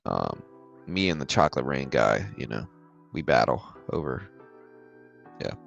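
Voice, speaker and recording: A tired man with a very deep voice, hosting a live trading stream in a relaxed, rambling way and answering chat questions. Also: unhurried, vocal fry, dull audio, faint music behind. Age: adult with a daughter. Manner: relaxed, rambling, filler-heavy explaining. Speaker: livestream trading host. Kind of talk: casual live market commentary, reading chat questions.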